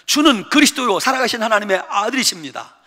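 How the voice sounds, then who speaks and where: A man's voice: high-pitched, big pitch swings, fast, bright, forceful tone, long reverb tail, pitched above the performer's own voice, full character voice. A man voicing the impulsive disciple Peter, raised and emphatic. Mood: eager.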